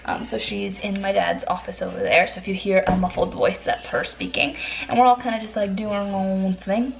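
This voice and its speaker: This young woman hosts a casual home vlog indoors, talking to camera in a chatty, self-deprecating way with a sarcastic, dry edge. She speaks fairly quickly at medium pitch, with fairly even intonation and vocal fry, over noticeable background noise.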